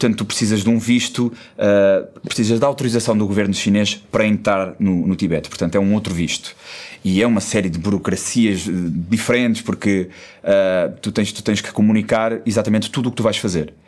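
A man speaks at a fairly quick pace with a fairly low pitch and fairly even intonation. It is an unremarkable speaking voice. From northern Portugal, Porto. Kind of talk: casual interview.

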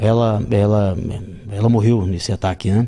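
A man speaks in a fairly low voice with a dark, mellow tone. His pace is fairly slow. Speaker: MMA fighter and war volunteer. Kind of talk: casual chat.

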